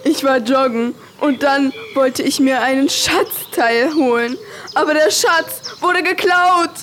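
A female performer playing an excitable leader of a cute animal gang, dramatic and exclaiming, in a children's story play. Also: high-pitched, slow pace, a little hiss or hum. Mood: upset.

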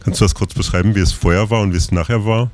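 A man hosting a community radio show, introducing a segment and interviewing a guest in a relaxed, loose way. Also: fairly low pitch, very fast.

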